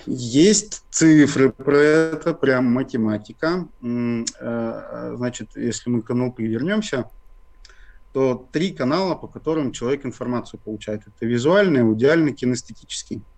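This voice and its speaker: Man explaining slowly with many fillers. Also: medium pitch, a little mellow. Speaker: guest expert. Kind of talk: explanatory interview talk.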